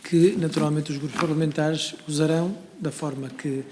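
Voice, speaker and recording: A man's voice: on the high side, fairly even intonation, normal speed, warm tone. A man chairing a parliamentary committee, courteous and formal. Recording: echoey room with faint background noise.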